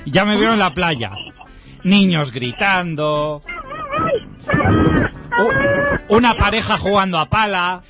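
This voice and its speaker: A man's voice: high voice, wildly swooping pitch, slow, pauses often. A man hosting a radio game, reading a story aloud in a playful, theatrical way. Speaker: radio host. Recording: dull radio audio with music behind.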